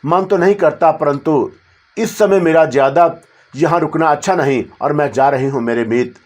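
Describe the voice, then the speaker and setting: A man's voice: a little high, natural voice. A man voicing a devoted, lovesick young female spirit who speaks tenderly and with longing. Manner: tender, yearning, softly pleading.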